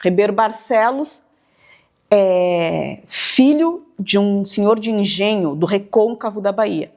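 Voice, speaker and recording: A woman writer from Brazil, speaking in a measured, thoughtful way as an interview guest. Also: medium pitch, animated, darkish tone. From southern Brazil, near the Uruguay border. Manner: measured, thoughtful, stretches words while thinking. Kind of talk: reflective interview talk.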